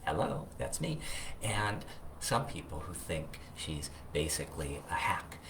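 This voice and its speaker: A man who is a minister, speaking informally and reflectively with pauses, sharing thoughts and poetry. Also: low-pitched, animated, creaky. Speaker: Unitarian Universalist minister. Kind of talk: informal video talk with poetry reading. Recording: distant mic, loud background noise.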